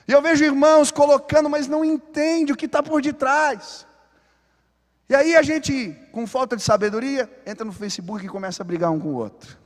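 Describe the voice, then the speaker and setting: High-voiced Brazilian pastor preaching in a church. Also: male voice. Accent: Brazilian Portuguese. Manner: impassioned preaching with casual asides and building exhortation. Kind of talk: sermon. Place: church sanctuary. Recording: long reverb of a church hall.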